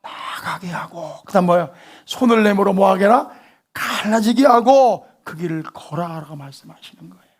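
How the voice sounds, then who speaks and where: A man preaching a sermon to a congregation, quizzing them call-and-response style and swinging from loud emphatic lines to hushed whispers. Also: sits high, animated, normal speed. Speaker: pastor.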